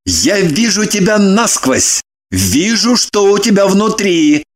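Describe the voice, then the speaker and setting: An actor playing a wry, flirtatious man who talks a hysterical woman down with dry, mocking calm. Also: high-pitched, slow pace, exaggerated voice. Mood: soothing. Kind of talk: audiobook character reading.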